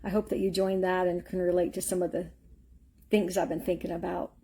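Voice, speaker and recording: A woman's voice: on the low side, flat delivery, brisk, mellow, a little hiss or hum. A middle-aged woman, a Christian author, giving an earnest, rambling live talk of faith encouragement, full of stories and filler words.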